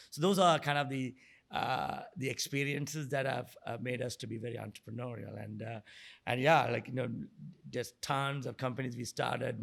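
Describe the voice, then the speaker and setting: This guest is a middle-aged entrepreneur and investor from Sri Lanka whose mid-range voice has a gravelly texture. Responding to interview questions in a conversational manner, he tends to repeat himself and reword things as he speaks.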